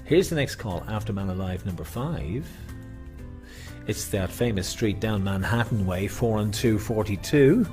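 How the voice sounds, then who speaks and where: An Irish man works as a bingo caller, chanting numbers and their rhyming nicknames in a sing-song way. His voice sits a little low. Music plays lightly behind him. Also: expressive, measured pace, a little mellow. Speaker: bingo caller and host of an online charity fundraiser.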